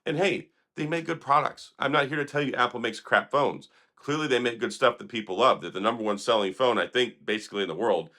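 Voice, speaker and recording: A hoarse man, sick for days, hosting an opinionated tech commentary vlog in a sarcastic, critical, rambling manner. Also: medium pitch, a little fast, few pauses, sharp tone. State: hoarse, recovering from illness. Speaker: tech video host.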